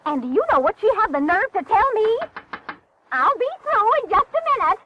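A woman's voice: very high-pitched, very animated, a little fast. An actress playing a self-absorbed, chattering woman on a payphone in old-time radio style. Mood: indignant, flustered. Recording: noisy, muffled old radio recording.

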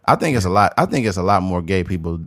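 Male podcast co-host, loose and rambling, somewhat low pitch, dry recording. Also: expressive, quick pace, fairly bright tone, no echo. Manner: loose, rambling talk with many "like" fillers. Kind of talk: casual podcast chat.

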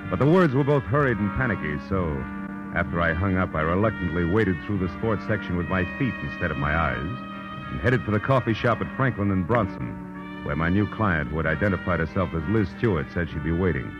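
An actor playing a world-weary private detective in 1940s radio style, terse, wry and deadpan. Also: male voice, sits low, a little fast. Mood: wry narration. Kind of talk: 1940s radio acting, first-person noir narration. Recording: dull old radio recording with music.

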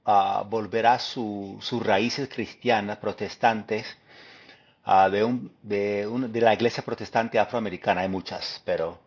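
A man from Detroit with an American English accent, a guest speaking Spanish as a second language, pausing and restarting often as he recounts. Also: lowish voice, steady tone, breathy edge, dull audio. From Detroit, United States. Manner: thoughtful, halting, many fillers and restarts. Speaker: guest historian. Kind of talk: interview conversation.

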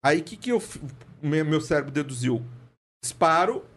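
A man with a Brazilian Portuguese accent, a podcast guest who works in the press, telling a story in casual chat, animated and laughing often. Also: on the high side, moderate pace.

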